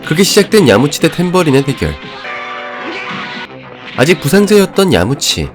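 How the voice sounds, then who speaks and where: Guy doing scripted story recap, slightly high voice, music playing behind him. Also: sing-song, normal speed. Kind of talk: scripted narration of an anime review.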